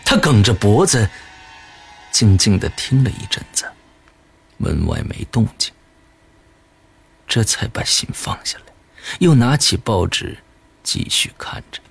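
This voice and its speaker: A man reading a horror story as the narrator, slow and suspenseful, with dramatic pauses. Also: on the low side, big pitch swings, creaky, slightly rough.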